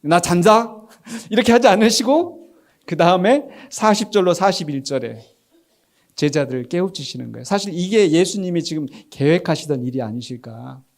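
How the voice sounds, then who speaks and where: Lively, fairly high-voiced male pastor preaching. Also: moderate pace, creaky. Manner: animated, conversational preaching with rhetorical questions and acted-out quotes. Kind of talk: sermon. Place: church sanctuary.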